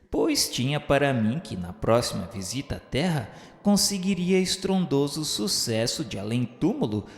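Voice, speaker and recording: A Brazilian man giving a formal, measured, literary narration for a radio drama. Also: medium pitch. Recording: echoey hall reverb under music. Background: music.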